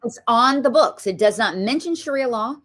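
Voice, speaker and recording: A woman's voice: fairly high pitch, animated, moderate pace, a bit bright. A woman with a Southern US accent, hosting a political talk show and speaking emphatically, with frequent ums. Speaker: show host.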